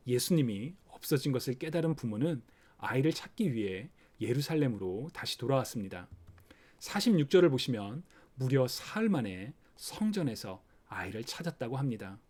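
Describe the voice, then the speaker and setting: A man preaching a sermon for an online service, explaining a scripture passage gently and acting out the worried thoughts of parents. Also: mid-range voice. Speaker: pastor. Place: online worship recording.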